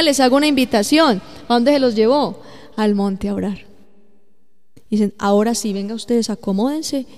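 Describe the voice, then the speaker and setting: Woman pastor, sermon, questions the congregation, long church reverb. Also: a little high. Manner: animated, asks the congregation questions.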